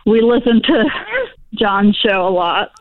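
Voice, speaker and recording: A woman's voice: mid-range voice, slow, crowd noise. A young adult woman calling in over a phone line, speaking hesitantly with lots of "um" and "like" as she chats casually. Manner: hesitant, with many fillers like "um" and "like". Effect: heard over a phone line. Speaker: caller. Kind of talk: casual call-in chat.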